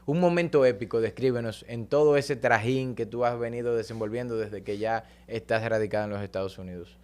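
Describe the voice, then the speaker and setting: A man's voice: mid-range voice, fairly quick, a little mellow, clean tone. A man from the Dominican Republic with a strong Dominican accent, hosting a podcast and asking long, winding questions. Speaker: podcast host. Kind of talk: casual interview chat.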